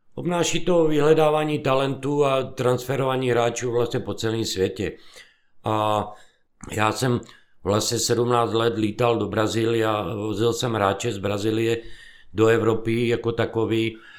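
The recording is very clean with a silent background. The speaker talks at a fairly slow pace with ordinary pitch variation, in a Slovak accent. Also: man, medium pitch for a man. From Slovakia (Levice), born in Moravia. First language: Slovak (speaking Czech). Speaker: former footballer and players' agent. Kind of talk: interview.

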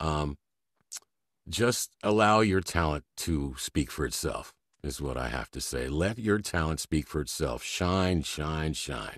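On a very clean recording with a silent background, a man speaks very slowly in a very deep, low voice with vocal fry and lively intonation. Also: dry, close sound with no echo. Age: 50s. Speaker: voice actor and musician. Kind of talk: casual interview. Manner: animated.

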